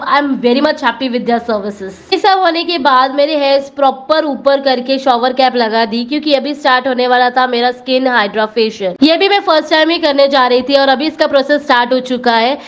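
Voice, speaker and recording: A woman's voice: high-pitched, highs cut off. An Indian woman vlogger narrating a scripted voice-over, switching between Hindi and English phrases. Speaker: vlogger reviewing a salon.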